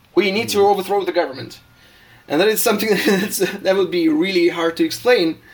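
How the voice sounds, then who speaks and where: A man with a Russian accent, high pitch, ordinary pitch variation, fairly quick pace and very even loudness over noticeable background noise. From Russia (Moscow). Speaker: journalist. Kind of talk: interview. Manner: halting.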